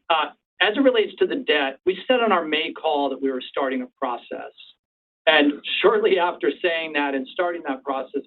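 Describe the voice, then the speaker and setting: A man speaking as a company executive on an earnings call, in a measured, deliberate way. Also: on the high side. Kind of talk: prepared remarks and candid answers to analysts. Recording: distant, tinny phone-line conference call.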